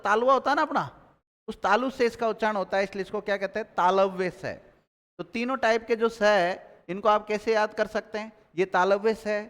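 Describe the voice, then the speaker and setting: Man, teacher, question-and-answer drilling, calls on students, high-pitched. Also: a bit bright, long reverb tail. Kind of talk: live online Hindi grammar class.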